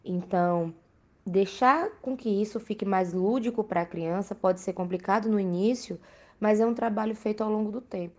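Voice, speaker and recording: Casting: young Brazilian woman, soft-toned timbre, conversational and explanatory, everyday testimony. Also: mid-range voice, normal speed. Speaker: interviewed mother. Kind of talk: casual spoken testimony.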